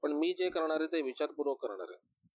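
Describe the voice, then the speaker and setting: A self-assured ex-bodyguard, played by a man reading an audio story, explaining his plans with easy confidence in a somewhat high male voice. The recording is dry and a bit dull. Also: animated, brisk, darkish tone, no room sound, close to an everyday voice. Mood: scheming. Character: adult male former bodyguard, confident and scheming.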